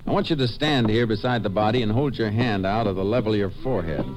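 A man's voice: fairly low pitch, quick pace, music in the background, close to an everyday voice. An American man playing a terse, matter-of-fact Texas Ranger investigator in a 1950s radio western. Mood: analytical. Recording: old 1950s radio recording.

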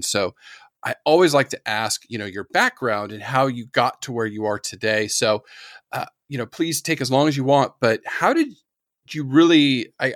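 A man's voice: mid-range voice, fairly bright tone, no echo, studio quality. A man hosting a podcast interview, enthusiastic and rambling as he asks his questions. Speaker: podcast host. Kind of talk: casual interview talk.

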